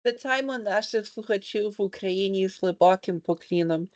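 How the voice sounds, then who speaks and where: A woman's voice: medium pitch, moderate pace, darkish tone, no echo. A woman delivers a solemn, formal greeting over a video call. The sound is dull and dry. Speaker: guest greeter.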